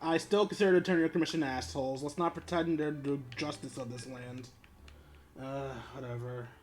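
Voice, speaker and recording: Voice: mid-range voice, a little fast, darkish tone. A video game streamer giving casual gameplay commentary, blunt and sweary.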